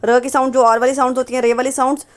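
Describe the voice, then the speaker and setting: A woman's voice: high voice, level tone, racing. A woman teaching English phonetics, patiently repeating example words and asking and answering her own questions. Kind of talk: phonetics lesson explaining symbols.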